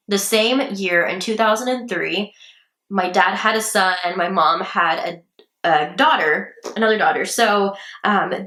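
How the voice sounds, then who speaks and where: A woman's voice: mid-range voice, fairly bright tone. A young woman hosting a true crime podcast, chatting casually with many ums and restarts, her voice a little strained from getting sick. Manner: chatty, rambling, with many ums and self-corrections. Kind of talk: casual chat. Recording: echoey room.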